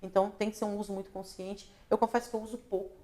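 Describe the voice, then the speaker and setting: A woman's voice: mid-range voice, flat delivery, racing, warm tone. A Brazilian woman speaking as an interview guest, thoughtful and reflective, often adding "né?" and restarting her phrases. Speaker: guest, actress, director and lighting designer. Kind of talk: casual interview talk. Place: local talk show broadcast on social media.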